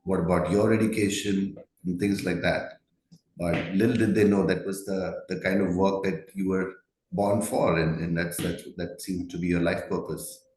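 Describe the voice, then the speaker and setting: A deep-voiced man with an Indian accent interviews a guest conversationally. He is reflective and affirming, pausing as he forms his thoughts. The room around his voice is noticeably echoey. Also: fairly even intonation, a little mellow, a little hiss or hum. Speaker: podcast host, interviewer.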